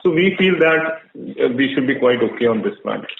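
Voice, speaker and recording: A man's voice: mid-range voice, animated, a little fast, gravelly. Echoey male executive on conference line. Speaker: bank finance executive. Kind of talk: reporting figures on an earnings call. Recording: echoey, noisy, phone-like conference room audio.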